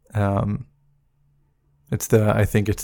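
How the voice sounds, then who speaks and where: Recorded very cleanly against a silent background, a man with a Canadian accent speaks at a fairly slow pace, his somewhat breathy voice fairly low in pitch with a dark, mellow tone. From British Columbia, Canada. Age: 30s. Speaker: podcast host. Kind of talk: personal monologue. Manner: halting.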